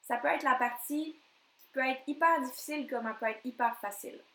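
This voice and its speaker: A woman with a Québécois accent, a coach talking on her own podcast in an energetic, emphatic way that repeats phrases for effect. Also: high-pitched, brisk, echoey room, rough recording. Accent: Québécois French. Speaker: NLP coach. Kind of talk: solo podcast talk.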